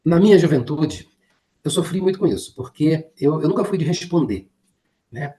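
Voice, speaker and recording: A man's voice: fairly high pitch, lively intonation, moderate pace, dark tone. A man with a slightly raised voice joins an online class to share a personal story. He speaks openly and mocks himself a little, with laughter slipping into his talk. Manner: candid, self-deprecating, laughs while talking. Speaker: class participant. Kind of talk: casual comment in an online class.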